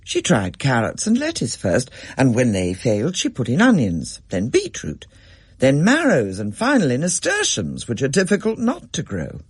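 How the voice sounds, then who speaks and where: A man narrating a story in a measured, expressive reading. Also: mid-range voice, husky, no room sound, clean studio sound.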